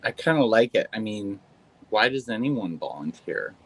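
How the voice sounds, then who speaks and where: A woman's voice: rumbling low, big pitch swings, normal speed, slight background noise, full character voice, poor audio. An actress playing an anxious, apologetic trans woman volunteer helping a caller over a video app, in a hesitant way. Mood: earnest. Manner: hesitant and apologetic, with frequent "I'm sorry". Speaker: volunteer on a visual-help app call. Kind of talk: stage play performed over video call.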